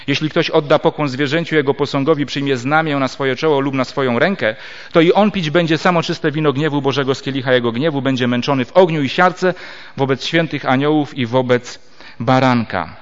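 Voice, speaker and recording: A man preaching a Bible teaching sermon. He explains step by step and reads scripture aloud with measured pauses. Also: mid-range voice. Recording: dull lo-fi recording.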